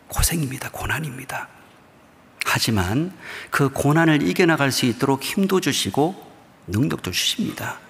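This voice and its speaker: A middle-aged pastor from Busan with a Gyeongsang accent, telling a story during a sermon and often dropping to a hushed near-whisper. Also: male voice, mid-range voice, slight background noise. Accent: Gyeongsang dialect. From Busan, South Korea. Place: church sanctuary. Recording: long reverb of a church hall.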